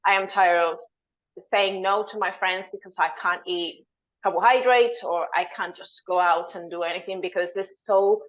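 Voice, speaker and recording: A woman's voice: mid-range voice, highs cut off. A woman in her thirties from Venezuela, answering as a dietitian guest in an interview. She explains things earnestly and sometimes searches for the right words.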